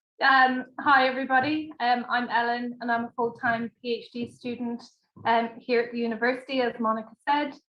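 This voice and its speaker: A woman with an Irish accent speaks at a moderate pace in a high-pitched voice, her intonation monotone and flat. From Ireland, west. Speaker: PhD student. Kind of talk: lecture.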